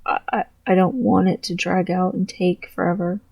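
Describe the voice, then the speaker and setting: Trans man, personal vlog, halting, earnest, mellow gravelly tone, dry close sound. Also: little pitch movement, dry recording. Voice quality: low voice with gravelly fry. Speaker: vlogger.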